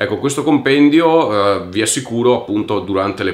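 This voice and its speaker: A man speaks with lively intonation in a space with audible room echo. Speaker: board game reviewer. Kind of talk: review. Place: home room.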